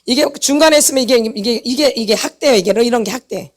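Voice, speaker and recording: A woman with a high voice preaches at a church seminar. She repeats each point with force and throws short questions back to the congregation, then answers them herself. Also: quick pace. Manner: emphatic, repeats points and quizzes the audience for answers. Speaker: pastor's wife teaching a healing seminar. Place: church meeting hall.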